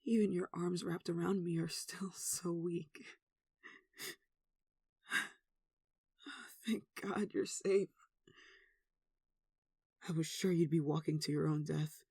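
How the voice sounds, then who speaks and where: Someone acting a gentle devoted human in asmr drama, earnest soft emotional voice, middle pitch, really dry sound. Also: steady tone, unhurried, vocal fry, husky, no echo. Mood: relieved, concerned. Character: devout, tender human devoted to a gentle demon. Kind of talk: ASMR roleplay, one-sided dramatic dialogue.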